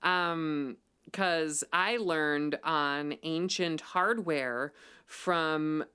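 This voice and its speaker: A woman's voice: deep voice, drawn-out words, bright, forceful tone, clear, resonant tone. A woman hosting a casual livestream, chatty and full of ums, growing emphatic when she argues a point. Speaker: livestream host.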